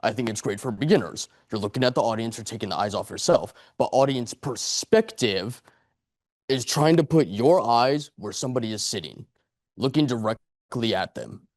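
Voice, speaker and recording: Man, late twenties, amateur motivational speaker, medium pitch, earnest, rambling, rhetorical, dry sound. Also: animated, normal speed, darkish tone, no room sound. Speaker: public speaker at a speakers club. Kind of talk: motivational speech to a live audience. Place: meeting room before an audience.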